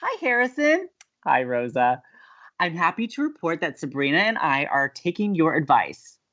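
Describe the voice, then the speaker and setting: A woman acting as a sweet, earnest, sentimental college radio co-host in an audio drama, with expressive delivery. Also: low voice, moderate pace, highs cut off. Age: young adult. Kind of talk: naturalistic audio drama banter.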